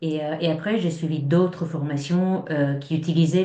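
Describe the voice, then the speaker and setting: The voice carries an Italian accent and a dark, mellow tone. Its intonation stays fairly even. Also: woman. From Italy. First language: Italian (speaking French). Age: 60s. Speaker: interviewee, retired HR professional. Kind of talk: testimony interview. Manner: halting, many hesitations.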